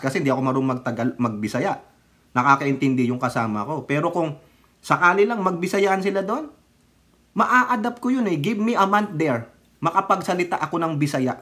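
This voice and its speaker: A man's voice: sits high, fairly bright tone. A middle-aged man giving rambling casual commentary on his vlog, mixing languages and asking his viewers "right?". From Philippines. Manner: chatty, rambling, mixes Tagalog and English, asks viewers "di ba?". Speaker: political vlogger.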